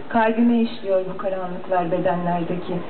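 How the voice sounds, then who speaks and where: The speech comes at a fairly slow pace over light background noise. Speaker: translator reading the poem. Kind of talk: reading the Turkish translation of the poem aloud. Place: stage.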